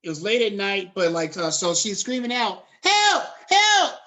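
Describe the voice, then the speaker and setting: A middle-aged man lectures his students in an easy, conversational way. He mixes textbook terms with relaxed slang and talks to the class directly. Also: high voice, moderate pace. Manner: conversational, drifts into casual slang. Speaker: college lecturer.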